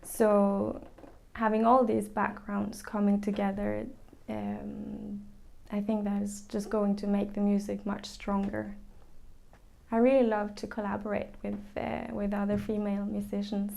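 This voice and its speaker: Gravelly Norwegian woman, thoughtful musician. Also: mid-range voice, completely flat delivery, measured pace, mellow. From northern Norway. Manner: thoughtful, searching for words with many ums and restarts. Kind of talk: reflective interview answers.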